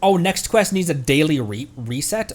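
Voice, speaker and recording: A man's voice: expressive, normal speed. A young man streaming a game, talking casually with a tight, strained throat and a slightly shredded voice, rambling with fillers and restarts. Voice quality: tight throat, voice pushed into a higher register. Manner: rambling, with many fillers and self-corrections. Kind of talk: casual live gameplay commentary.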